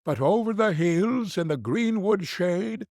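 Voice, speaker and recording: A solemn magic mirror chanting its verdict in rhyme, as a man reading a storybook puts it on. The voice is raised high above a plain speaking voice and swings widely in pitch. It is close and dry, with no room around it. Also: expressive, a little slow, darkish tone, dry recording. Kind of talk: audiobook reading.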